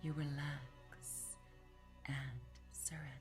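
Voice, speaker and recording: Music plays in the background as a woman speaks. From Netherlands. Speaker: hypnotherapist. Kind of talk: hypnosis induction. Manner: slow, soft-spoken.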